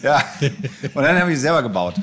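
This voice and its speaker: A man telling an anecdote in casual chat, halting with many fillers. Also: a little high, sing-song, fairly bright tone, slight background noise.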